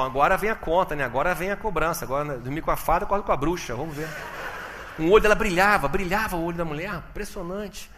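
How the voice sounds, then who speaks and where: A man giving a testimony sermon, telling his story with animated swings from loud exclamations to hushed tones. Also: fairly high pitch, big-room sound, background noise.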